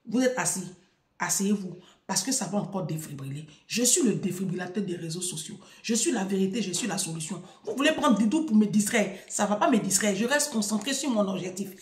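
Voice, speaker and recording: A woman talks to her followers in a mocking, emphatic monologue, laughing often and swinging between loud and soft. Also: mid-range voice. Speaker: social media vlogger. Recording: echoey room.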